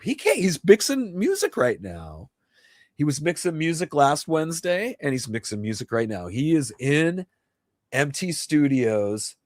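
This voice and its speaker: A man's voice: on the high side, big pitch swings, unhurried, no echo, studio quality. A man in his fifties from New Jersey, chatting casually and rambling with viewers on his livestream, chuckling now and then. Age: 50s. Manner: rambling, laid-back, chuckles often. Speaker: livestream host and guitarist.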